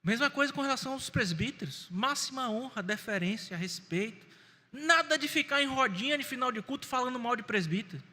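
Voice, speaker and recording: A Brazilian Portuguese-accented man preaching as a pastor in a church, in an animated, folksy storytelling way. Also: very high voice, a little fast. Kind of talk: sermon. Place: church sanctuary. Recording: long church reverb.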